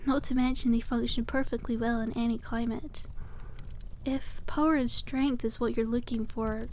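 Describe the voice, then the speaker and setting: A woman voicing a cute, friendly witch shopkeeper in a soft-spoken ASMR roleplay, explaining things with gentle enthusiasm. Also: fairly high pitch, steady tone, moderate pace, a little hiss or hum, close to an everyday voice. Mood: earnest, informative.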